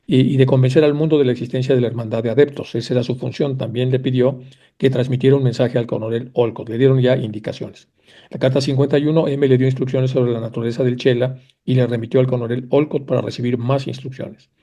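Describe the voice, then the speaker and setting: Dark-voiced man reading and explaining texts. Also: medium pitch. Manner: reads passages then comments in a conversational aside; addresses listeners directly, with fillers. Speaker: lecturer on theosophy.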